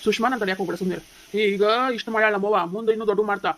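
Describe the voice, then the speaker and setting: A woman's voice: medium pitch, steady tone, rapid-fire, a bit bright, close to an everyday voice. A woman voicing a heated young husband in a cartoon comedy, scolding and lecturing insistently, with a North Karnataka Kannada accent. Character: heated young husband defending his wife against his mother.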